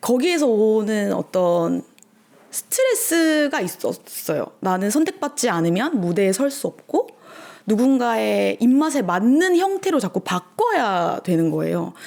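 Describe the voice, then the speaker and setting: Speaking at a fairly slow pace, a woman keeps her loudness very even. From South Korea, Busan. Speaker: musical actress. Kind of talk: interview.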